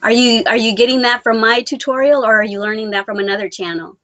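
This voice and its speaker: A woman's voice: on the high side, fairly even intonation, fast talker, a bit bright, no room sound. A woman hosting a live stream, chatting casually and giggling as she talks to her viewers.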